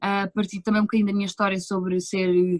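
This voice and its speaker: Her tone is bright and sharp as a woman talks at a fairly quick pace with a medium pitch. The sound is dry and close, with no echo. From Portugal, Lisbon. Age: 20s. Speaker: musical theatre performer. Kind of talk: interview.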